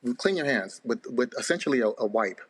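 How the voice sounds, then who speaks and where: A man's voice: mid-range voice, lively intonation, brisk, husky. A man explaining step by step how to detail a car with his company's products, earnest and repetitive. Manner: earnest, repeats words, salesman-like. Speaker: guest, car detailing business owner.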